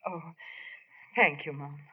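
An actress playing a sweet, polite young bride-to-be with a tentative manner in a 1940s radio drama. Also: female voice, deep voice, slow pace, heavy background noise. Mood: polite, uneasy. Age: young adult. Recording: dull vintage radio broadcast.

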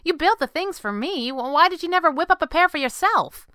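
A woman's voice: very high voice, animated, a little fast, pushed and bright, no room sound, clean studio sound, voice pushed up, full character voice. A woman voicing a young female superhero sidekick who is playful, teasing and eager in a storybook narration. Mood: curious. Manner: playful, perky, coy.

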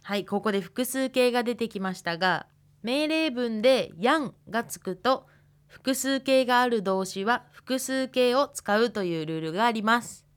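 A woman's voice: on the high side, animated, moderate pace, clean tone. Woman in her twenties, radio language teacher, thinks aloud while explaining. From Hokkaido, Japan. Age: 20s. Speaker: language instructor.

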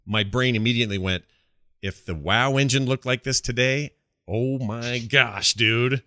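A middle-aged man co-hosting a podcast, chatting casually and enthusiastically about games with animated, slangy storytelling. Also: mid-range voice, a little slow, no room sound, clean studio sound. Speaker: podcast co-host. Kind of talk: casual enthusiastic gaming chat.

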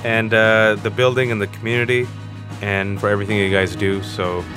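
A man in his forties talking candidly as an interview guest, earnest and animated, with self-mocking storytelling. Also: lowish voice, a little fast, over music. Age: 40s. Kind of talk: candid conversation.

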